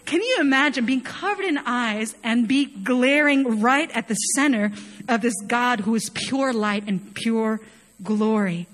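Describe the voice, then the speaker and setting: A young woman from Chile giving an earnest, conversational sermon, often dropping in casual fillers as she talks. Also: a little high. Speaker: worship leader preaching.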